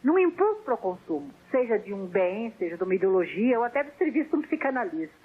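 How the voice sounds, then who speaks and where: A woman's voice: on the high side, sing-song, fast talker, slightly rough. A woman from Portugal with a Portuguese accent, calling in to a TV talk show and talking frankly and reflectively about herself. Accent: Portuguese (European). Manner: reflective, frank, self-mocking. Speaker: phone-in guest. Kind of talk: candid call-in conversation. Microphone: telephone. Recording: tinny phone line.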